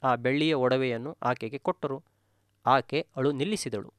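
A man of ordinary pitch tells a teaching story at an unhurried pace. His delivery is calm and steady, like a meditation teacher. The sound is close and dry. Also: smooth, dry recording. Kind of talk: dharma talk storytelling.

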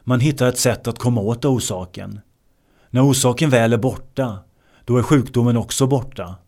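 Man giving a measured meditation discourse. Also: mid-range voice, a little mellow. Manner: measured, repeats key words. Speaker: meditation teacher.

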